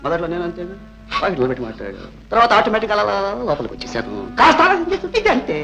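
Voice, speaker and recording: An actor playing a jealous, bullying husband in 1960s film melodrama, sneering and quick to shout. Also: male voice, high voice, wildly swooping pitch, gravelly, faint music behind, full character voice, poor audio. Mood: taunting. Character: bullying, jealous husband who taunts his wife. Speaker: film villain.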